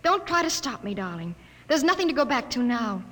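A woman's voice: on the high side, very animated, a little fast, a bit bright. An actress playing an earnest, defiant young woman in a melodramatic 1950s radio drama. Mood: pleading, devoted. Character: passionate, defiant young female professor in a dystopia. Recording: noisy, reverberant old radio recording.

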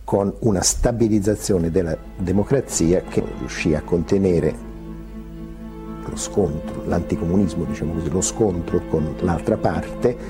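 A man speaking as a historian in an interview, with halting, convoluted phrasing. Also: low-pitched. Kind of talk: spoken historical commentary. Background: music.

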